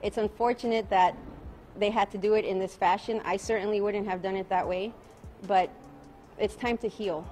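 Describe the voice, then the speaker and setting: A woman's voice: mid-range voice, normal speed, faint music behind. Tired woman attorney at press microphones. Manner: calm, repeats reporters' questions before answering. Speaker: attorney speaking to reporters. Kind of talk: press conference statement. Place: outdoors at night in a city. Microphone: bank of press microphones.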